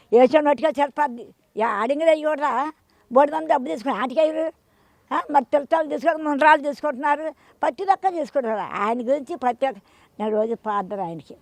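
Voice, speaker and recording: A woman's voice: sits high, no room sound. An older woman interviewed on the street, talking emphatically and rambling, repeating herself. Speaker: interviewed voter.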